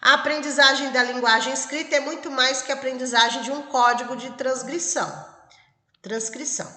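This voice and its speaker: A woman's voice: high-pitched, steady tone, brisk, sharp tone. A Brazilian woman teacher giving an exam-prep lecture, explaining step by step and checking in with the class. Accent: Brazilian Portuguese. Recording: echoey room with long reverb.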